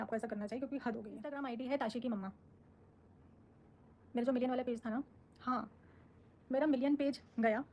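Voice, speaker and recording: A woman's voice: on the high side, warm tone, slight background noise. A woman on a live stream, answering her viewers' comments in a firm, defensive, outspoken way. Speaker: social media creator on a live stream.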